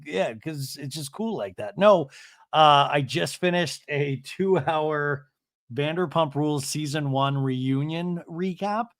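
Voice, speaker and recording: An American man with a slightly raspy voice hosting a podcast, chatting to listeners in an excitable, rambling, slangy way. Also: on the high side, takes it slowly, no echo, clean studio sound. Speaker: podcast host.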